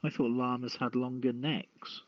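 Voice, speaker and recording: A man hosting a news podcast, reading stories and adding casual asides in a halting delivery. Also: mid-range voice, flat delivery, no echo. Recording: dull lo-fi audio.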